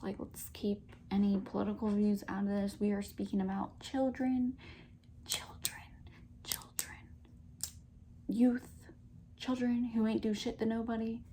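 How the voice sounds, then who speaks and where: A young woman talks softly and slowly in a casual ASMR ramble, full of fillers and little giggles. Her voice is mellow and warm rather than bright. Faint tapping and hiss sit behind her. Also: medium pitch, monotone. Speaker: ASMR creator. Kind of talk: soft-spoken ASMR chat with tapping.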